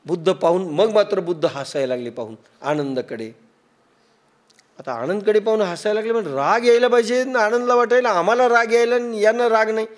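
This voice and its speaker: High-voiced man giving a sermon. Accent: Marathi. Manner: storytelling with acted-out quotes and everyday examples; chants scripture verses slowly. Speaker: spiritual teacher.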